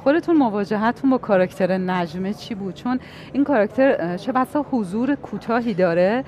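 A woman interviewer speaks in long, articulate questions, weaving in short affirmations. Her pitch sits mid-range and a clear layer of background noise runs under her voice. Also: lively intonation, a little mellow. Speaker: interviewer host.

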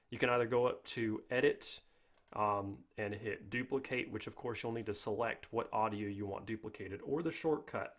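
Man casually hosting a tutorial. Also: mid-range voice. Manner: informal step-by-step explaining. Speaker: tutorial host. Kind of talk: casual software tutorial narration.

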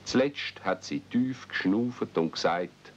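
A man's voice: lively intonation, slow. A man with a Swiss German accent narrating a children's radio play as a storyteller. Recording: muffled, noisy old cassette with rumble.

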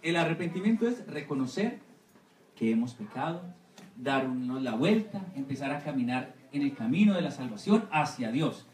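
A missionary pastor giving a Sunday school sermon, often asking the congregation for agreement with amen and right. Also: male voice, mid-range voice, sing-song, normal speed, a little mellow, far from the mic. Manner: asks the congregation for assent, repeating amen and right. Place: church hall. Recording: echoey room, voice from off-mic.

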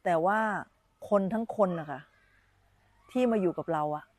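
A woman's voice: on the low side, unhurried, a little mellow, no room sound. A woman meditation teacher giving an informal dharma talk on a live stream, chatty and repeating her phrases as she talks with children around her.

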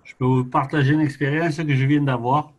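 A man's voice: mid-range voice, steady tone, a little fast. A man taking part in a casual online group chat, telling a personal story in a plain, matter-of-fact way. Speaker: call participant.

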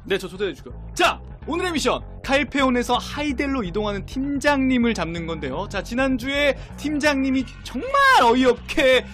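A man hosting a live game show broadcast, talking in a frantic, hurried way, often correcting himself and shouting. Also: very high-pitched, animated, faint music behind. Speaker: livestream game show host. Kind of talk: excited live game commentary. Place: studio.

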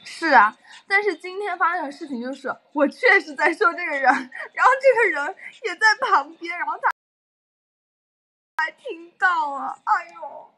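High, bright young woman livestreaming. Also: normal speed, soft background music. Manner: animated storytelling, frequent laughter. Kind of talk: casual livestream chat.

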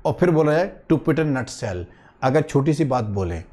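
A man with an Indian accent teaching English idioms in an online exam-prep lecture, switching between Hindi and English, repeating phrases slowly and asking students if they understood. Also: fairly high pitch, big pitch swings, dark tone. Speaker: English teacher for bank exams.

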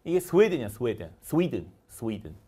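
A man teaching English vocabulary in an online lecture, animated and leading chanted word drills. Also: mid-range voice, a little fast, husky.

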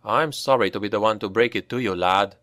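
A man's voice: lowish voice, a little fast, a bit bright, no room sound, natural voice. A man voicing a weary male mercenary leader with a dry, sardonic manner. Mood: wry.

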